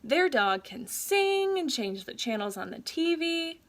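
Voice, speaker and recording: A woman reads a children's storybook aloud in a very bright, slightly high voice. She works as a teacher would, shaping each phrase with care and a sense of drama for young listeners. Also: big pitch swings, measured pace. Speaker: teacher reading aloud to pupils.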